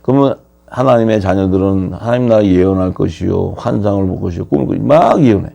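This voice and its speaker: A man's voice: low voice, animated, fast talker, creaky, dark tone, highs cut off. A man preaching a sermon in a conversational way, often checking that the listeners follow along. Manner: conversational preaching, asks the audience for agreement.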